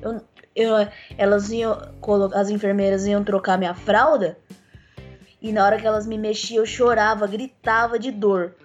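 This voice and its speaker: Soft-spoken woman with a slightly rough voice. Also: mid-range voice, level tone, highs cut off, faint music behind. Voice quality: voice still rough since a tracheostomy. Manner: earnest, halting, with many fillers and restarts. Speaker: interviewee. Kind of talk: personal account in a conversation.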